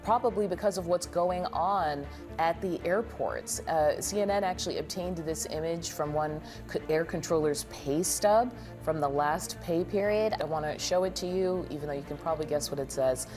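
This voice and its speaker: Lower-voiced woman news anchor over music. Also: moderate pace, few pauses. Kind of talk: live TV news interview.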